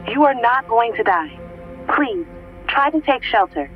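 A woman playing a steady, concerned emergency dispatcher in a horror audio drama, asking procedural questions over a phone line. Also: on the high side, a little slow, soft background music. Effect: phone line filter.

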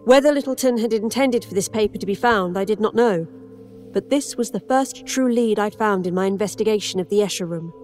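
A woman narrating a horror audio drama in first person, measured and introspective. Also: mid-range voice, a little mellow, soft background music. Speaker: narrator and lead character.

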